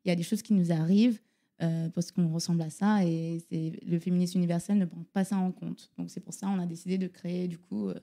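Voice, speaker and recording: Une invitée explique longuement ses idées en hésitant souvent, d'une voix plutôt grave au timbre très sombre et doux. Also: female voice, on the low side, fairly even intonation, a little fast, dark tone. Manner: explanatory, hesitant with many fillers. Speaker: guest, activist collective member. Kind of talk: interview answers.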